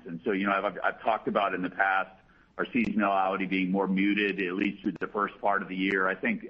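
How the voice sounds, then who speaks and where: A male executive with a very low, somewhat husky voice answers questions on a business call. He speaks in a measured, halting way, restarting phrases, over a dull, lo-fi line. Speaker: company executive answering analysts. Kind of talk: earnings call Q&A.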